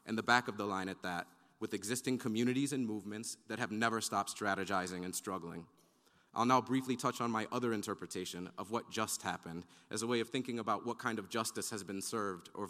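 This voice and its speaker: A man's voice: lowish voice, fairly bright tone. Man reading formal remarks in a reverberant hall. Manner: measured, formal delivery. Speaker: conference panelist. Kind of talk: reading prepared academic remarks.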